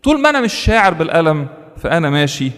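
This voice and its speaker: Fast-talking Egyptian preacher in a hall. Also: male voice, on the high side, sing-song, fairly bright tone. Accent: Egyptian Arabic. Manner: storytelling with rhetorical questions. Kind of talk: sermon.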